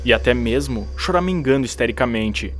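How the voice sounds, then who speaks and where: A man narrating a literary horror audiobook in measured, formal diction. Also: medium pitch, lively intonation, faint music behind.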